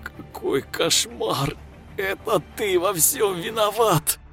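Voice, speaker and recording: A man voicing a desperate young man who pleads and shouts in grief, pitched above his own voice. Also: expressive, slow pace, faint music behind, exaggerated voice. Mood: urgent.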